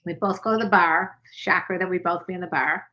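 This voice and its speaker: Older lady chatting on a livestream, bright, rambly, lots of asides. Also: fairly low pitch, steady tone, brisk, dull audio. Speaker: channel host. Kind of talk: casual livestream chat.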